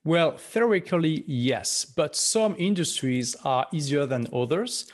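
A man's voice: a little high, animated, unhurried. A French man, an entrepreneur and author, speaking English as a guest in a podcast interview, earnest, often restarting words with "uh" and "you know". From France. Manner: earnest, repeats words when starting sentences, fillers "uh", "you know".

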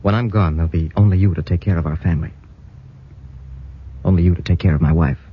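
Actor as a young man off to war, earnest, low voice, 1940s radio play. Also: fairly even intonation, fast, husky, lo-fi sound. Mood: urgent. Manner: urgent, earnest pleading. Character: earnest young soldier brother, Fa'an. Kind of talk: 1940s radio drama acting.

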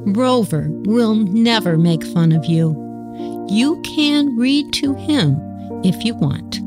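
A man's voice: sits high, animated, slow pace, over music, pitched above the performer's own voice, full character voice. A man doing an encouraging woman teacher.

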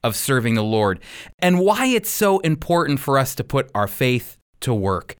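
A man's voice: medium pitch, very animated, normal speed. A man hosting a Christian radio program, speaking in an earnest, emphatic manner. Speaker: radio show host.

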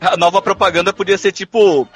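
Podcast chatter: Brazilian man, rapid, high-pitched, slangy and joking. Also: steady tone, soft background music. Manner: slangy, joking, swears freely. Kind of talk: casual podcast chat.

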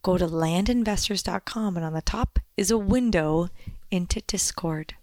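A woman co-hosting a podcast in casual chat, chatty, teasing and quick to laugh. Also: fairly low pitch, a little mellow, dry recording. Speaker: podcast co-host.

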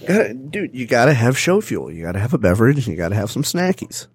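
A man's voice: mid-range voice, big pitch swings, fast, breathy edge, no room sound. A man co-hosting a podcast in a studio, talking in a laid-back, chummy way. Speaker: podcast co-host. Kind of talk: casual chat.

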